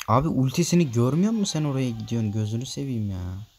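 A man talks his way through a match in casual gameplay commentary, his voice sitting at an ordinary middle pitch. He chats straight to his viewers and grumbles, easily annoyed at his teammates. A faint hiss runs under his voice. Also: quick pace, a little mellow. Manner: chatty, addresses viewers directly. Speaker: gameplay video maker.

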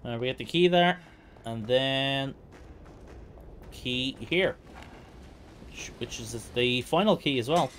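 A man commentates his live game run in a casual way. He speaks slowly at a medium pitch, repeating short phrases to himself and swearing. Faint game ambience sits behind him. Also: fairly bright tone, slight background noise. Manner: repetitive, sweary muttering to himself. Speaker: live streamer, speedrunner.

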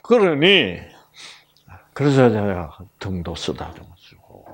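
A man's voice: on the low side, slow pace. A middle-aged man giving a health lecture, telling a personal story and acting out the voices in it. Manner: animated storytelling, acts out quoted voices.

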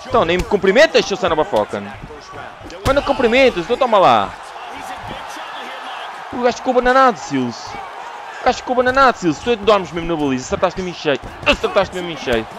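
Portuguese man, gameplay commentator, excitable and lively, noisy capture. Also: high-pitched, quick pace, long pauses. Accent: European Portuguese. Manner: animated, swings from yelling to groaning. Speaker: gaming YouTuber.

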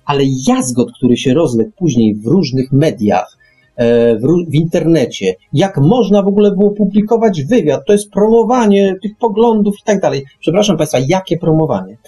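A male radio host argues his points in discussion. His voice is mellow and husky, set a little high for a man. He speaks emphatically, often restarting and repeating phrases as he goes. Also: expressive, moderate pace, faint music behind.

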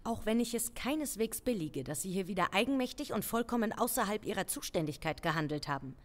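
An actress playing a composed police major in a crime radio drama, formal and commanding in manner. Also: female voice, mid-range voice, lively intonation, fast, lightly acted. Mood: stern, focused.

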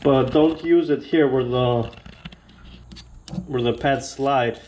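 A man hosting a casual how-to video, explaining a repair step by step in a relaxed, plainspoken way. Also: medium pitch, slow, dull audio, a little hiss or hum. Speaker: motorcycle channel host.

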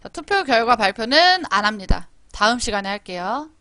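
A woman with a high, bright voice that leaps up and down all over the place, chatting her way through a live-streamed game. She talks playfully to her characters, scolds them like a mother, and reads the game's story text aloud. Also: very animated, normal speed, dry recording.

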